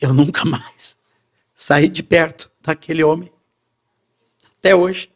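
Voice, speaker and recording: A middle-aged Brazilian man telling his conversion testimony in a sermon, animated and addressing the congregation as brothers. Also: fairly high pitch, slow. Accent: Brazilian Portuguese. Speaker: preacher giving testimony.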